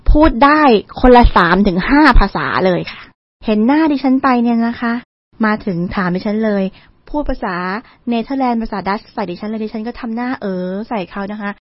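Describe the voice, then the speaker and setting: A woman's voice: a little high, dry recording. Chatty woman radio host, lo-fi. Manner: chatty, polite, ends phrases with soft particles. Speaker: university lecturer hosting a radio segment. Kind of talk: radio talk, storytelling. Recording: dull lo-fi radio sound.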